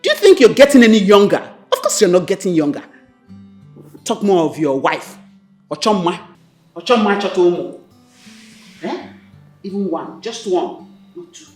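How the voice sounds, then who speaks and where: A woman's voice: fairly low pitch, expressive, a little slow, pauses often, reverberant, faint music behind. An actress playing a domineering middle-aged mother who scolds her son for not giving her grandchildren. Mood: scolding. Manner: scolding, bossy. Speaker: actor. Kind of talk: melodrama acting.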